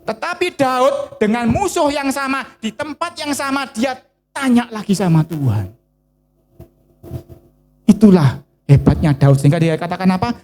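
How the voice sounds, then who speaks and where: A preacher, giving a lively storytelling sermon. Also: medium pitch, moderate pace, slight background noise. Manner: animated storytelling with mixed local words.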